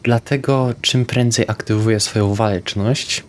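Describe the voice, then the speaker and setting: Male player, low voice, slow halting delivery, casual tabletop play. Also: steady tone, slight background noise. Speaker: roleplaying game player. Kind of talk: casual tabletop play, narrating own moves.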